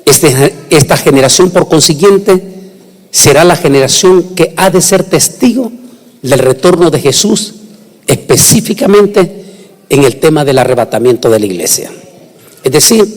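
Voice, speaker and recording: A man preaching a sermon, emphatic, with sudden rises in pitch and frequent restarts. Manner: emphatic, rising and falling delivery with restarts. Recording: long hall reverb.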